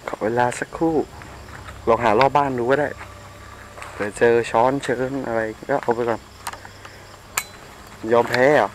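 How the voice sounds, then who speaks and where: Hushed young Thai man filming at dusk. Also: medium pitch, steady tone, measured pace, long pauses, rough recording. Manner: hushed, uneasy, talking to viewers while searching. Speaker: vlogger exploring abandoned sites. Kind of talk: casual on-the-spot vlog talk. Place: outdoors in a rural forest clearing at dusk. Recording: outdoor camera audio with insect noise. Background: crickets and insects.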